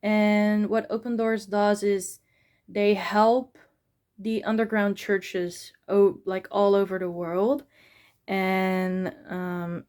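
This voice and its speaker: Slow-talking woman vlogging books. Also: medium pitch, a little mellow. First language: Dutch. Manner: hesitant, many fillers and restarts. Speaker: book vlogger. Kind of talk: casual vlog chat.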